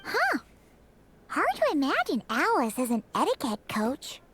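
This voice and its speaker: A woman voicing a tiny floating female companion creature in a video game, blunt and quick to scold. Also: high-pitched, huge pitch swings, fairly bright tone, faint music behind, exaggerated voice. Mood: cheeky. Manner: cheeky, quick to scold and fret.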